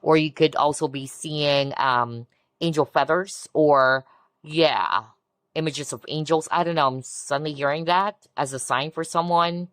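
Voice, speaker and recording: A woman giving a collective tarot reading in a soft, reassuring way, often breaking into amazed exclamations. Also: low voice, a little slow, no room sound. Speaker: tarot reader. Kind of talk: pick-a-card tarot reading.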